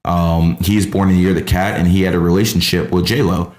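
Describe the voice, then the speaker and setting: A man hosting a casual podcast chat, brash and profane, often rising to loud excited peaks. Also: low-pitched, quick pace, echoey room. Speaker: podcast host.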